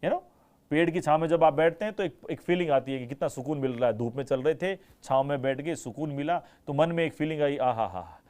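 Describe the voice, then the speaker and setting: A man's voice: fairly high pitch, fast, a little mellow, clear, resonant tone. A man with an Indian English accent teaching a live online English class, mixing Hindi and English, asking students questions and imitating sounds for his examples.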